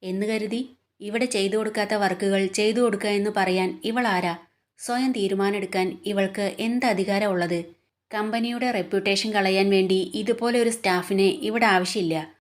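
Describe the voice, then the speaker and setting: A woman's voice: mid-range voice, fairly even intonation, normal speed, close to an everyday voice. Angry male boss, harsh scolding, read by a woman narrator. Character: furious domineering male company boss.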